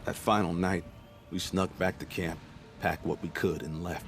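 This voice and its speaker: A man's voice: deep voice, fairly even intonation, normal speed, close to an everyday voice. A man playing an outspoken, talkative young tribal hunter in a video game cutscene. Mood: subdued, defensive. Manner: emphatic, outspoken. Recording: music behind the voice.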